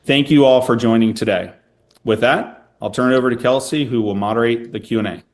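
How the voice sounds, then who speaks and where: A man's voice: mid-range voice, fairly quick. Businesslike man presenting company results. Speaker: company finance executive on an earnings call. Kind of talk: prepared corporate remarks and answers to analysts.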